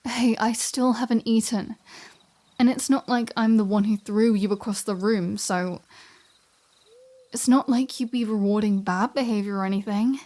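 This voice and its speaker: A woman's voice: a little high, moderate pace, mellow, lightly acted. A woman playing a flirty, self-serving vampire in a scripted audio roleplay, speaking to the listener in a teasing, wry, conversational way.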